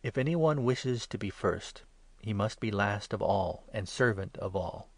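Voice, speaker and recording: A calm, authoritative teacher who speaks slowly and solemnly, his voice low, as a male reader gives him voice. The sound is dry and close, with no room echo. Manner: measured, solemn.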